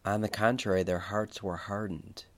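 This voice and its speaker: A preacher leads a guided Christian meditation, his fairly low voice delivered flatly. He is reflective and unhurried, repeating phrases for emphasis.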